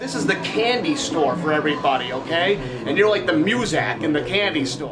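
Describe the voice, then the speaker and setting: A man talks at a fairly quick pace with very wide pitch swings. Noticeable background noise runs underneath. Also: fairly high pitch for a man. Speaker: radio sports announcer. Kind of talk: interview answer.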